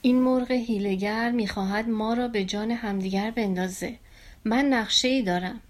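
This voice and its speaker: A woman's voice: a little high, lightly acted. A woman voicing a brave, defiant little black fish in a storybook reading. The fish speaks firmly and scolds the others. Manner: firm, scolding.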